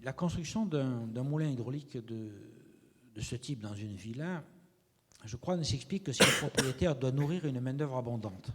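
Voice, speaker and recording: A man leading a seminar, asking measured questions and thinking aloud about the findings. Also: medium pitch, expressive, slightly rough. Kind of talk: academic discussion. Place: lecture hall. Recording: reverberant lecture hall.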